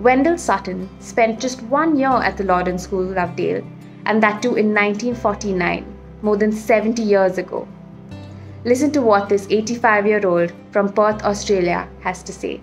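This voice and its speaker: A woman speaks at a fairly slow pace with ordinary pitch variation while faint music plays in the background. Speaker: episode host. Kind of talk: presenter narration. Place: home room. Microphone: webcam.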